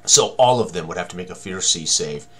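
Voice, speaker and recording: A man in his sixties walking through tabletop game combat rules as a tutorial, halting and thinking aloud as he works. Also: sits low, lively intonation, a bit bright, husky.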